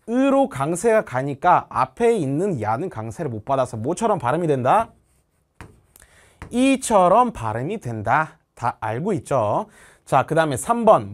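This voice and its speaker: Lively male language teacher, rhetorical questions. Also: mid-range voice. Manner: slow, careful Russian pronunciation, asks rhetorical questions. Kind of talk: exam explanation lecture.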